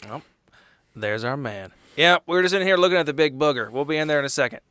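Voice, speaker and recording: A man playing a gruff, blunt axe-carrying fighter with anger issues in a tabletop game, speaking casually and haltingly. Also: fairly high pitch, pushed and bright, dry recording, voice pushed up. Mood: breezy, blunt.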